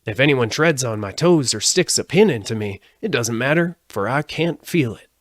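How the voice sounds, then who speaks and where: A man voicing a friendly, earnest, brainless straw scarecrow from a storybook, with a husky voice and emphatic, swooping delivery. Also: mid-range voice, expressive, normal speed, no echo, pitched above the performer's own voice, close to an everyday voice. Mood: plaintive, earnest. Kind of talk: storybook character voice.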